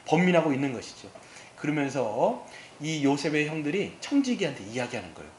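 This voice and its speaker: A man preaches a sermon in a church sanctuary, retelling a story with lively swings in pitch and posing questions to his congregation. His voice sits a little high for a man. The sound comes back off the walls of a roomy hall, with a faint hiss underneath. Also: a little fast. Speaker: pastor.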